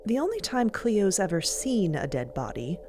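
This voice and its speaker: A woman giving dramatic scripted narration in a deliberate, theatrical way. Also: mid-range voice, very animated, background noise. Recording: loud music bed. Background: loud cinematic music.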